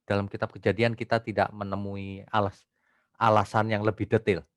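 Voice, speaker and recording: A male pastor teaching an online Bible study, reading scripture slowly and asking rhetorical questions. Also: lowish voice, little pitch movement, no room sound, studio quality. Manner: reads scripture aloud slowly.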